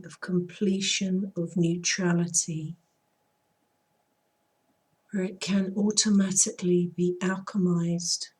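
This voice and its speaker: A woman with a husky, throaty voice, still hoarse from an illness. She speaks softly and slowly, and her pitch stays flat and level. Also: low-quality recording. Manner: soft, unhurried, intoning. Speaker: spiritual healer. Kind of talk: slow chanted healing invocation; casual chat to viewers.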